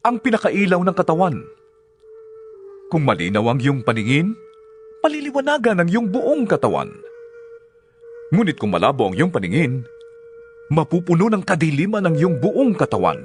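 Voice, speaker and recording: A man with a Filipino accent playing a solemn, earnest religious teacher in a dramatized scripture reading, with measured, declamatory delivery. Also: on the high side. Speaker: voice actor.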